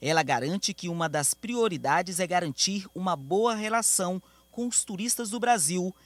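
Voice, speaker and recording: A man reporting in a measured, scripted news narration. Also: high voice, no echo.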